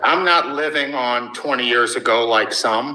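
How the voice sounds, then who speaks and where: An unremarkable speaking voice from a man, at a moderate pace with ordinary pitch variation. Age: 60s. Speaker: retired hedge fund manager. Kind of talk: interview.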